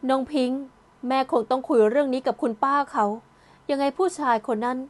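A woman voicing a gentle, caring middle-aged mother in an audio novel, speaking softly and soothingly. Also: high-pitched, fairly even intonation, fairly quick, lightly acted.

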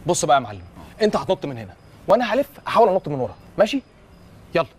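High-voiced, urgent Egyptian friend. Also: male voice, big pitch swings, racing, a little mellow, husky.

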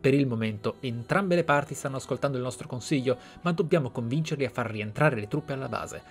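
A man's voice: medium pitch, brisk. An Italian man hosting a video game playthrough, reading and commenting in a theatrical, formally phrased way. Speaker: gaming video host.

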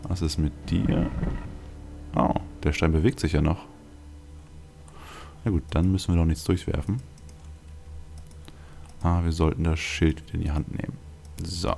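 A man's voice: sits low, level tone, measured pace, vocal fry, long pauses, warm tone. A man hosting a let's play with casual game commentary, thinking aloud with wry, dry asides. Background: game music.

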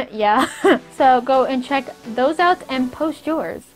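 Young female YouTuber, high voice, rambling and giggly, light stutter, faint music bed. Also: animated, slow. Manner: rambling, many "like" and "kind of" fillers, giggly; stutters at times. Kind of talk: casual vlog advice.

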